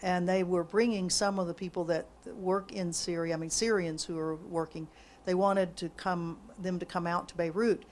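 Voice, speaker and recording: A woman's voice: lowish voice, steady tone, normal speed, a little mellow, a little hiss or hum. A woman in the audience asking questions and adding a conversational comment. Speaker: audience member. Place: lecture room.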